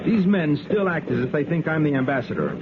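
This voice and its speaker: A firm, commanding cavalry lieutenant, played by a man narrating a 1950s radio adventure. His pitch moves a lot, in a lively way. The sound is thin and phone-like. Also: fairly quick, very noisy, close to an everyday voice. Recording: tinny 1950s radio broadcast.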